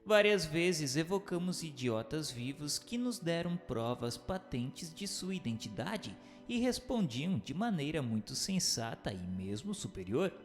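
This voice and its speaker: Animated, higher-voiced man reading formally. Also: measured pace, few pauses. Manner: formal, declamatory, inquiring. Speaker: narrator and questioner. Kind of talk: scripted dramatic reading. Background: faint music.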